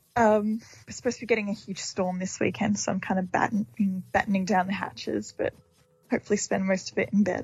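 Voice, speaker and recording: Very fast and somewhat breathy, the speaker uses an Australian accent with fairly even intonation. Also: woman, medium pitch for a woman. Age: 20s. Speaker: sex worker. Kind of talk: casual chat.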